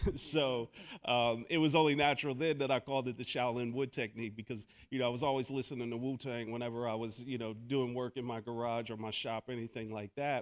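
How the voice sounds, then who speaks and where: A man with a medium pitch and an American accent, talking very fast with fairly even intonation. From US Midwest, Columbus, Ohio. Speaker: wood artist and carpenter. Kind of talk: panel discussion.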